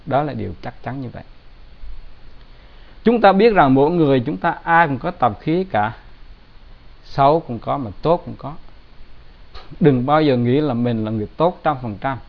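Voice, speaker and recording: A man giving a Buddhist dharma talk in a plain, conversational way with gentle humor. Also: medium pitch, expressive, moderate pace, creaky, long pauses. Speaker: Buddhist teacher. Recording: dull lo-fi recording.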